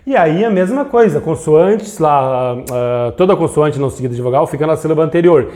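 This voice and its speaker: Lively-pitched man teaching grammar. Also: moderate pace. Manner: explains step by step, asks and answers his own questions; stretches out syllables to demonstrate. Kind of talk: video grammar lesson.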